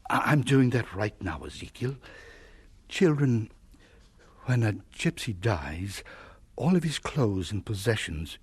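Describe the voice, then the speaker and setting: An actor playing a grieving, gentle gypsy father in a radio drama, speaking haltingly. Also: fairly low pitch, expressive, breathy edge, exaggerated voice. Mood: tender, sorrowful. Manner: hesitant, halting.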